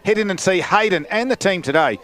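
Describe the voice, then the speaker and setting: An Australian man gives the halftime wrap of a country football match outdoors. His voice sits a little high and rings clean and smooth, and he keeps an easygoing, joking manner with his co-hosts. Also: animated, a little fast, a bit bright. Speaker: play-by-play commentator. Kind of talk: halftime sports commentary with ad reads.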